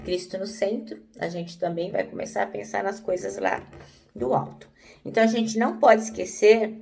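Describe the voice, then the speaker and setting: Gravelly woman teaching the Bible. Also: mid-range voice, darkish tone, recorded from a distance. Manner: conversational, frequent "né?" and "então".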